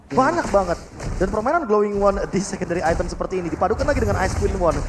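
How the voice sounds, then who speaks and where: A man's voice: high-pitched, lively intonation, fast talker, noisy background. A man with an Indonesian accent giving analytical live esports commentary, explaining plays in an emphatic way. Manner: explanatory, emphatic with repeated intensifiers.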